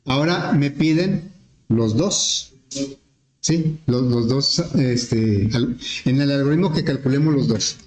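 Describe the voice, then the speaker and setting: A male teacher explaining an algorithm step by step in a relaxed lesson, with frequent fillers. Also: medium pitch, takes it slowly. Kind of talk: programming lesson. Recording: echoey classroom with faint noise.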